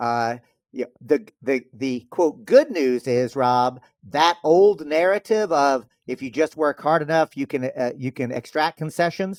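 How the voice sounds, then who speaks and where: An unremarkable speaking voice, a man's fairly high pitch with ordinary pitch variation comes at a fairly slow pace in a very clean recording with a silent background and a dry, close sound with no echo. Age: 60s. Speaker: activist and lawyer. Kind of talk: podcast interview.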